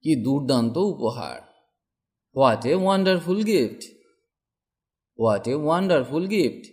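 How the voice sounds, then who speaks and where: Male English tutor, slow drill delivery, lively rising and falling pitch, each sentence said twice. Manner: reads each English sentence slowly twice after the Bengali one. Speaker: English teacher.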